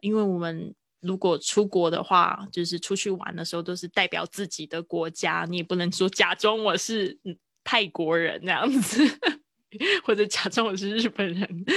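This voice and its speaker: Lowish-voiced woman teaching English phrases. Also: a bit bright, no room sound, studio quality. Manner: explains patiently, repeats English phrases slowly and clearly; casual asides with fillers and small laughs. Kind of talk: livestream language lesson.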